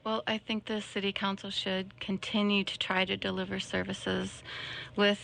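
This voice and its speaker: Middle-aged Minnesota woman, gravelly and very flat, measured candidate statement, faint noise behind. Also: mid-range voice, poor audio. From Minnesota, United States. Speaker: city council candidate. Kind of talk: prepared statement on radio.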